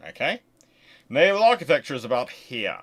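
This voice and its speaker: Guy doing a casual q&a, medium pitch, rambles off on tangents, asks himself questions. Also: big pitch swings, moderate pace, fairly bright tone. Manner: chatty, digressive, poses rhetorical questions. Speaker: host answering viewer questions. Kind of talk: casual live Q&A on naval history.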